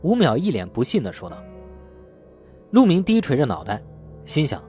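A male narrator reads a novel aloud as a storyteller. His voice is husky and of medium pitch, with lively, wide-ranging intonation. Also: moderate pace, faint music behind. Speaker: audiobook narrator. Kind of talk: scripted audiobook narration of an urban crime novel.

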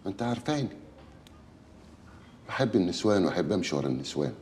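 A brazen, womanizing Egyptian husband in a film drama. He speaks in a low voice with lively swings of pitch, taunting and cynical, and faint music runs underneath. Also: fast, in a large hall. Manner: taunting, brazen, then placating. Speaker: unfaithful husband.

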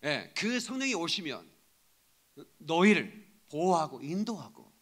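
A man preaching a lively sermon in a church, rousing the congregation to answer back and mixing in jokey asides. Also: a little high, measured pace. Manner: rousing, calls out to the congregation for responses. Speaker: pastor. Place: church sanctuary.

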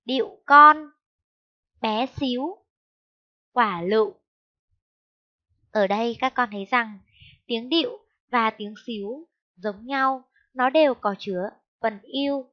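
A woman teaching a first-grade lesson, speaking slowly and clearly and spelling out syllables in a raised, sing-song voice. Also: fairly high pitch. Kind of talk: slow, clear classroom lesson. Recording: dull lo-fi sound.

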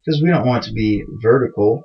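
A man's voice: medium pitch, fast, gravelly. Casual guy explaining code, lo-fi mic. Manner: loose, chatty and self-mocking, with many fillers. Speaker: programming tutorial host. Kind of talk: casual screencast tutorial. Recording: dull lo-fi mic sound.

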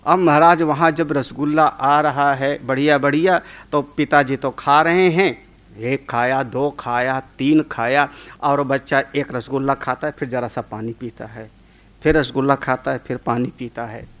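A man's voice: mid-range voice, steady tone, a little slow, fairly bright tone. A man, a Hindu spiritual teacher, giving a conversational sermon on scripture. He tells homely stories and often checks in with his listeners.

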